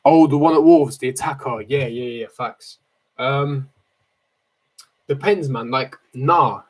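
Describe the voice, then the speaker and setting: A slow-paced, medium-pitched male voice belongs to an 18-year-old football fan who streams from a small bedroom indoors, his desk microphone close in front. Chatting casually, he answers viewers with slang and strong opinions, repeating things for emphasis.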